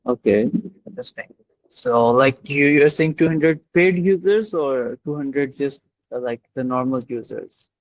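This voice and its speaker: A man's voice: mid-range voice, unhurried, no echo, rough recording. A man with a South Asian accent hosting an informal online discussion, tentative and often saying "like". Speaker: host of online community session. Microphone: online voice call.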